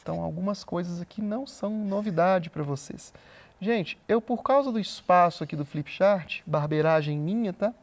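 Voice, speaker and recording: A physics teacher with a high-pitched, slightly mellow male voice gives a recorded remote class in a studio with a flip chart, speaking Portuguese. He explains patiently, checking students' understanding at each step, often with "tá?"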